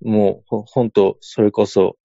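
A man's voice: on the low side, little pitch movement, a little slow, creaky, warm tone, no echo, lo-fi sound. A man from Iwate, Japan chatting as a podcast guest, hesitant and laughing often. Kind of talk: casual chat.

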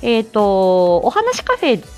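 A woman's voice: medium pitch, huge pitch swings, takes it slowly, mellow, soft background music. A woman hosting a live stream in a casual, chatty way, often laughing between phrases. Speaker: livestream host.

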